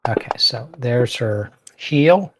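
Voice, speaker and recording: A man's voice: medium pitch, lively intonation, slow pace, gravelly, noisy background. A man playing a tabletop game, talking hesitantly while fumbling through his character sheet. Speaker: player. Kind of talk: casual game talk.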